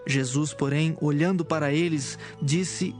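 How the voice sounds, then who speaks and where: Higher-pitched male Bible narrator. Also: steady tone, measured pace, a little mellow, soft background music. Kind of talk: scripted dramatic Bible narration.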